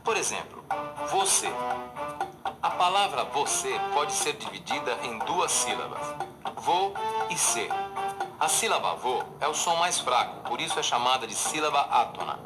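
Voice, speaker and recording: A man with a Brazilian accent narrates a lesson in a didactic, scripted way, his medium voice moving expressively. Loud music plays under the voice-over. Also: mid-range voice, big pitch swings, fairly quick, few pauses. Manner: didactic, clear examples.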